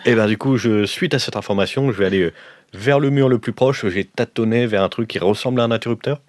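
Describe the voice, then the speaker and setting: A man plays an improvised tabletop game with dry, deadpan humour. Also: lowish voice, fast, no echo. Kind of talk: improvised role-playing banter.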